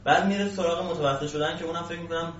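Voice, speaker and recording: A man's voice: on the high side, steady tone. A man giving casual, explanatory answers as an interview guest. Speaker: programming instructor, interview guest. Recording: echoey distant mic, muffled, faint hiss.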